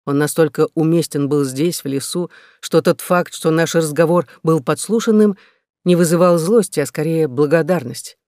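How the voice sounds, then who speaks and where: A man narrating an audiobook in an even, measured reading voice. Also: fairly high pitch, no echo, studio quality. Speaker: audiobook reader.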